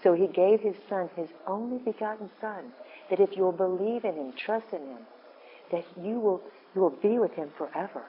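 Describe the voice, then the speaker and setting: A woman with a deep voice giving an informal, earnest talk to a women's group, often breaking off and restarting. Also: normal speed, phone-quality sound, slight background noise. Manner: rambling, self-interrupting, earnest. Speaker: women's ministry speaker.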